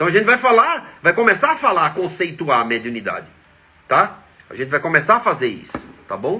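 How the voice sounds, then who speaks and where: A man with a high pitch and a raised, projected voice at a fairly quick pace. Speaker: spiritist teacher. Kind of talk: live Q&A talk. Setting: Instagram live stream.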